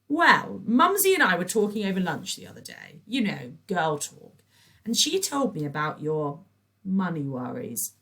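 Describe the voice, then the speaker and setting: A woman's voice: fairly low pitch, very animated, unhurried, fairly bright tone, voice pushed up. A woman voicing a sickly sweet, scheming middle-aged neighbour in a storybook, trilling and gushing with pet names. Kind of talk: storybook reading.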